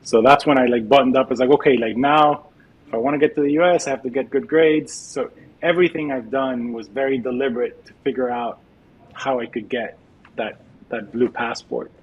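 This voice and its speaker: On a muffled podcast recording with a bit of hiss or hum, a middle-aged man from El Salvador speaks fairly quickly in a mid-range, evenly intoned voice. He tells his life story reflectively, often restarting and filling pauses.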